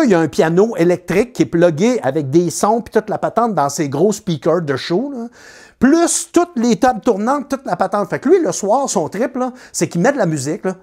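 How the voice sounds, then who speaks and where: A man with a Quebec French accent telling a comic anecdote about his neighbors. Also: high-pitched. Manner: lively, animated, many fillers. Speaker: storyteller.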